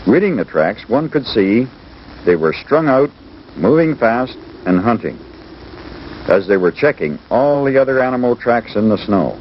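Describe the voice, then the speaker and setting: A man's voice: mid-range voice, big pitch swings, normal speed, muffled recording, a little hiss or hum. A man delivering scripted first-person narration as the narrator of a wildlife documentary. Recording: band-limited old 16mm educational film soundtrack. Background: loud background music.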